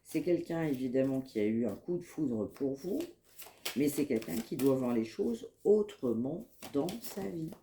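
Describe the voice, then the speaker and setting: A woman with a head cold giving a spoken psychic reading to her viewers, in calm, measured, repetitive phrasing. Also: rumbling low, a little hiss or hum. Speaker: medium giving a card reading.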